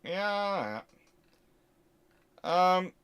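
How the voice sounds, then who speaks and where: A man's voice: high voice, very animated, very slow, fairly bright tone, clean tone. A man hosting an unscripted question-and-answer talk, speaking discursively and working through his thoughts aloud. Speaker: host answering audience questions.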